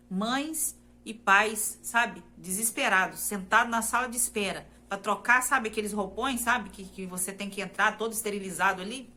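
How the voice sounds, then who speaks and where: A Brazilian woman gives a personal faith testimony, earnest and repetitive, often addressing her listeners directly. Her voice is a little high, bright and forceful.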